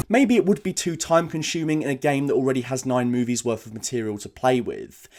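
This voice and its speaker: Young guy doing a video essay voiceover, kinda high voice, really lively and opinionated. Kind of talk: scripted opinion narration.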